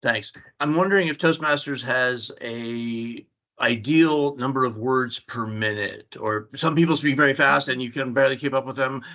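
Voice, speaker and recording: Man, bright forceful voice, curious question, online meeting. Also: medium pitch, normal speed, muffled recording. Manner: curious and inquiring. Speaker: meeting participant.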